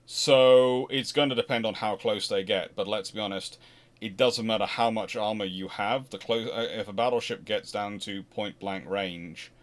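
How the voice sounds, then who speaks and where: A man's voice: lowish voice, moderate pace. Rambling man answering viewer questions. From Scotland. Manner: rambling, self-correcting, animated asides. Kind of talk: casual livestream Q&A.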